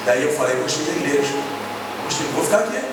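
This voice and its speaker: A man's voice: on the high side, fast talker. A middle-aged man with a Brazilian Portuguese accent preaching a sermon, telling stories animatedly and acting out dialogue. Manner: animated storytelling, acts out dialogue. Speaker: pastor. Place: church hall. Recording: echoey church hall, distant mic, noisy.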